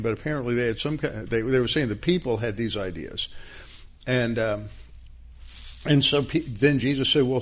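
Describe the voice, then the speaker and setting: A man teaching a verse-by-verse Bible class, with a halting delivery full of restarts and stressed key words. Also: medium pitch. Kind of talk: expository Bible class lecture.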